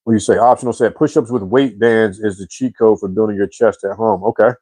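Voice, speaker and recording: A man's voice: lowish voice, quick pace, breathy edge, no room sound. A man in his forties hosting a casual live chat, reading viewer comments and answering in a slangy, easygoing way. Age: 40s. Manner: slangy and relaxed, says bro and man a lot.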